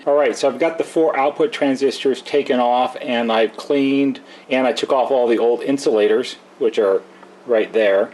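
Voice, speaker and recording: A man's voice: mid-range voice, a little mellow, low-quality recording. A man giving an unscripted, methodical, explanatory walkthrough of a hands-on electronics repair as a technician. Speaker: electronics repair technician hosting a rebuild video. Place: indoors at a repair workbench.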